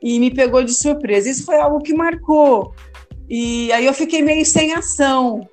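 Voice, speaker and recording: A woman's voice: sits high, normal speed, a little mellow, faint music behind. A woman, a teacher and former radio host, answering interview questions in a casual, hesitant way, often repeating words. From Amazonas, Brazil.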